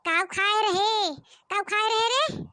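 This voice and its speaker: A woman voicing a sharp-tongued old village mother-in-law in a comic cartoon, speaking with an Awadhi accent and scolding in loud exclamations. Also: very high-pitched, slow pace, no room sound, clean studio sound, heavily acted. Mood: disgusted.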